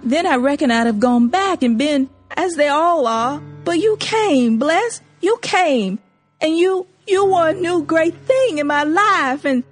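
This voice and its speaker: A woman's voice: high voice, expressive, unhurried, faint music behind, pitched above the performer's own voice. A woman voicing a desperate young woman on the edge of tears. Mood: tremulous. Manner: faltering, stammering. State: near tears.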